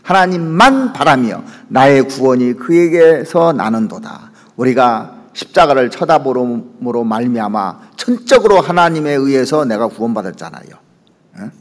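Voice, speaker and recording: A man preaching to his congregation with a highly animated voice that jumps high and sinks low. His words ring out with a long reverb trailing behind them in a church sanctuary. He keeps turning to the listeners with quick asides. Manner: lively preaching, pitch leaps and drops, asides to the congregation. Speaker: pastor. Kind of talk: sermon.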